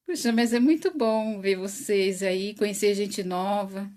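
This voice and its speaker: Hosting an online spiritist study livestream, a medium-pitched woman with a Brazilian Portuguese accent chats casually and laughs a lot. She welcomes viewers one at a time by name and mentions that her voice is very loud.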